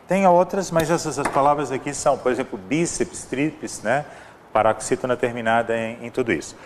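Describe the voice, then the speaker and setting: A man with a Brazilian accent teaching a grammar lesson for an exam, patient and explanatory, with a steady mid-range voice. He repeats his examples and keeps checking in with the class. The recording carries a long reverb tail and a faint background of room ambience. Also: mid-range voice, a little hiss or hum. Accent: Brazilian Portuguese. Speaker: Portuguese language teacher.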